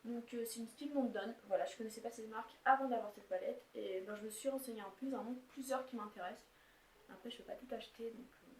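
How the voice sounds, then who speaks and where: Young woman rambling about her makeup, kinda high voice, echoey room, bit of hiss. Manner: chatty, rambling, filler-heavy. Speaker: beauty vlogger. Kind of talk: casual makeup haul chat. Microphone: camera's built-in mic. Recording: echoey room, faint noise.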